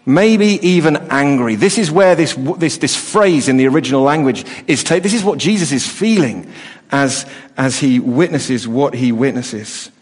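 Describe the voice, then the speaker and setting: A middle-aged man gives a sermon in an earnest, halting way, circling back over his own words. His voice sits at an ordinary middle pitch. The sound carries the long reverberation of a church hall. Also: animated, husky. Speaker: preacher.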